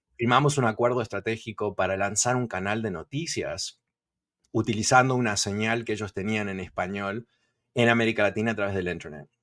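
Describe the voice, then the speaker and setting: A man talks at a fairly quick pace in a fairly low pitch with ordinary pitch variation. The recording is very clean, with a silent background. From Uruguay. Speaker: entrepreneur. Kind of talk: interview. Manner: hesitant, many fillers.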